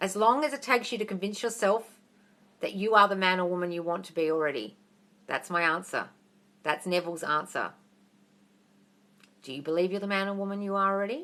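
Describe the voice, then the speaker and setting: Against a quiet background, a woman with a strong Australian accent and a bright, sharp tone speaks at a fairly quick pace, with long, frequent pauses. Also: medium pitch for a woman, ordinary pitch variation. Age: 40s. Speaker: manifestation coach. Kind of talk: live stream Q&A. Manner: fast; animated.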